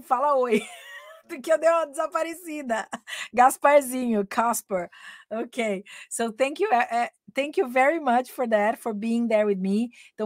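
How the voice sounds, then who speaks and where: A woman's voice: fairly high pitch, no room sound, clean studio sound. A middle-aged Brazilian woman, an English teacher, chatting and laughing easily on her weekly live stream, mixing in English. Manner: chatty and laughing, switching between Portuguese and English. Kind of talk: casual live-stream chat.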